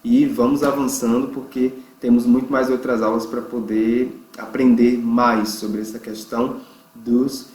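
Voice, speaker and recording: A man from Brazil leads an online English lesson at a mid pitch. He stops often to stretch out example words slowly for learners to repeat. His voice bounces around a noticeably echoey room. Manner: slow, drawn-out pronunciation drills. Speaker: English teacher.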